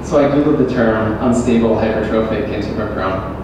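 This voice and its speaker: A young adult man, a student debater, posing measured leading questions with hesitant fillers. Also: lowish voice. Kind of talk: formal debate, cross-examination. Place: large echoey university hall. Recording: echoey hall, distant mic, background noise.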